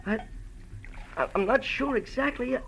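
An actor playing a distraught young American ex-convict, stammering and anxious, in 1940s radio melodrama style. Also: male voice, very high-pitched, measured pace, a bit bright, heavily acted. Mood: panicked, halting. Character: panicky, distraught young ex-convict pleading for help. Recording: hissy old radio recording.

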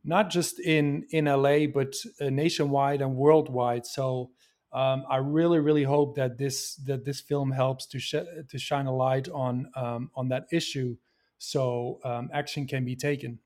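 A man's voice: mid-range voice, fairly even intonation, measured pace, darkish tone. A man from Belgium, a filmmaker, answering interview questions in a thoughtful, earnest way with frequent fillers and restarts.

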